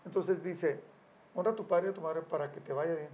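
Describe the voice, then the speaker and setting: A man in his sixties, a family counselor, gives Christian teaching on parenting through stories, raising his voice to act out quotes. His voice is fairly high-pitched and darkish in tone, with fairly even intonation and a fairly quick pace.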